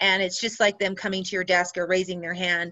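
Her intonation flat and monotone, a woman speaks at a fairly quick pace over a quiet background. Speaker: special education teacher. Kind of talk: webinar presentation. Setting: video call. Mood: friendly, explanatory. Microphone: video call.

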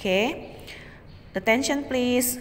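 The speaker is a woman. Her intonation is lively. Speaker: primary school English teacher. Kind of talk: tutorial. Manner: slow.

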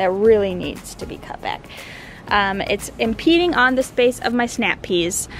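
A woman is speaking. Faint music plays in the background. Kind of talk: casual vlog chat. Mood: relaxed, lightly amused. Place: garden. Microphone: phone near.

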